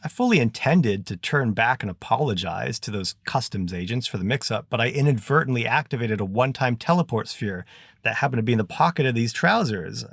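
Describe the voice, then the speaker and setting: A man playing a verbose, theatrical gentleman adventurer with a florid, pompous and grandly polite way of talking. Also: mid-range voice, lively intonation, brisk, vocal fry, dry recording, clean studio sound. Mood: indignant, explanatory.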